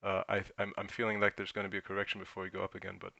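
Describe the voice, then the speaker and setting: A man's voice: sits low, completely flat delivery, very fast, vocal fry, pushed and bright, no room sound, highs cut off. A man from Germany whose first language is German, hosting a casual livestream and thinking aloud while he answers chat questions. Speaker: crypto livestream host.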